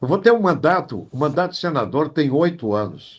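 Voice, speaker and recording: A man's fairly high voice with very wide pitch swings, against a quiet background. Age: 60s. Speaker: journalist and political candidate. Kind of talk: interview. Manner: animated.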